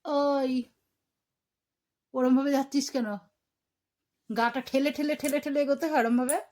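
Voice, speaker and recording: A woman's voice: steady tone, normal speed. A woman from Bengal at home, talking to her cat in playful baby talk, coaxing and scolding by turns. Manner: coaxing, scolding playfully, swings between high squeals and soft murmurs. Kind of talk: affectionate baby talk to a pet. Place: home, indoors.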